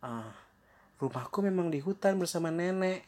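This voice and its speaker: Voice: medium pitch, animated, moderate pace, darkish tone, voice pushed up, lightly acted. A storyteller voicing a naive young girl in a red hood who asks innocent questions. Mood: cheerful.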